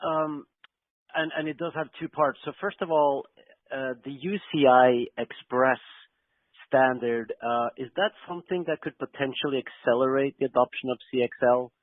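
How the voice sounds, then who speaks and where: A man's voice: medium pitch, moderate pace, no echo. A man, a financial analyst, politely and somewhat hesitantly putting questions on an earnings call. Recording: dry, narrow phone line.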